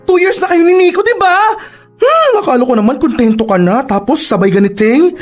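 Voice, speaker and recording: A man's voice: very high voice, big pitch swings, fairly quick. A man voicing a flamboyant gay male best friend in a Tagalog audio drama, teasing and campy with dramatic exclamations. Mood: scolding. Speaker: office colleague.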